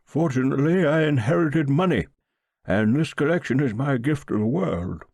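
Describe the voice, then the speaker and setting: A man voicing a pompous, pious old millionaire with a solemn, slow drawl in an audiobook story. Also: mid-range voice, animated, gravelly, a little mellow, dry recording, studio quality, pitched above the performer's own voice. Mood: pious, grandiose. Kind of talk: audiobook character voice.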